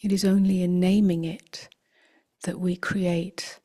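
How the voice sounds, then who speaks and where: A woman meditation teacher leads a guided contemplation in a gentle, breathy voice near a whisper, unhurried with long pauses. Her voice sits lowish and her tone stays level.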